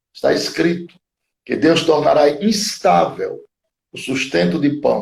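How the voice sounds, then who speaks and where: A man speaking at a very slow pace. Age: 70s. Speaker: pastor. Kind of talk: preaching in a live interview. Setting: online live stream.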